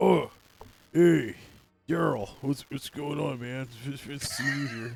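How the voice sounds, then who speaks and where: A raspy, put-on character voice speaks in a calm tone. The pace is fairly slow. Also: man, medium pitch for a man. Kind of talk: broken speech. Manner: calm, casual, friendly.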